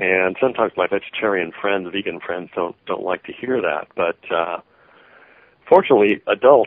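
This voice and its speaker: Here is a man with an unremarkable speaking voice. He speaks at a moderate pace and a fairly low pitch, with ordinary pitch variation. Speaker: psychology professor. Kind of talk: interview.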